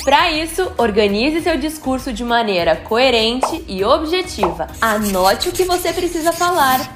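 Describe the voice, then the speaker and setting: High-voiced Brazilian woman giving upbeat tips. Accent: Brazilian Portuguese. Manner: upbeat, didactic, playful asides. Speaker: podcast host giving customer-service tips. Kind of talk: scripted educational podcast narration. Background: background music.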